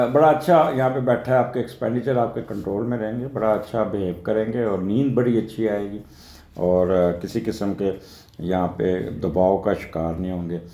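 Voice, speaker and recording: Older man, Lahore Urdu accent, astrologer, chatty and rambling, gravelly voice, echoey room. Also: fairly low pitch, warm tone. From Pakistan. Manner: chatty, rambling, drifts into anecdotes and jokes; mixes in English phrases. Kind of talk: weekly horoscope talk.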